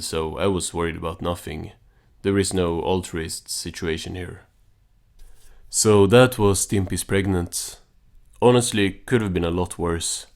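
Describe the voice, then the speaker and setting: A man narrating a casual recap and commentary as a reviewer, in an offhand, understated way. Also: deep voice.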